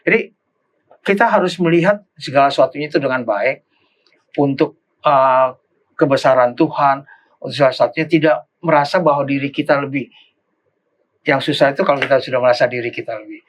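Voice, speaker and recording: A man's voice: mid-range voice, poor audio. A man, a pastor, giving an informal Bible lesson at an easy pace, often repeating and restarting his phrases. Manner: unhurried, repeats and restarts phrases, acts out quoted remarks.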